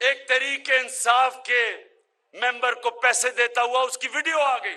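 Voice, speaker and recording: Raised and projected, a man's voice sits at an extremely high pitch, bright and sharp in tone, with monotone, flat intonation. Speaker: politician. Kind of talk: political rally speech.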